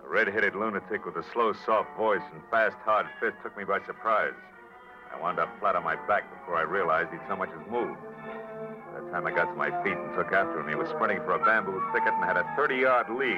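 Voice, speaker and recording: Casting: male actor as hard-boiled detective, very low voice, brisk pace, dry wisecracks, vintage radio noir. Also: lightly acted. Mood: rueful narration. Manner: hard-boiled, clipped, sardonic. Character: tough, wry, wisecracking male American private eye. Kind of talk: 1940s radio noir narration and dialogue. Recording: muffled old radio recording, loud music behind.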